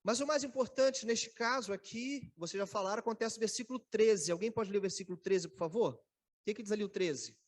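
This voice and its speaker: High-voiced Brazilian pastor preaching animatedly. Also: male voice, a little fast. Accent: Brazilian Portuguese. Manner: animated preaching, calls on listeners by name; acts out biblical speech dramatically. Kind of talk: sermon. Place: church sanctuary.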